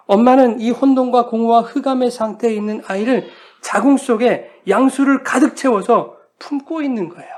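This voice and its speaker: A male pastor preaching a sermon with earnest feeling. He often turns to the congregation and swings between loud lines and hushed ones. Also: high voice.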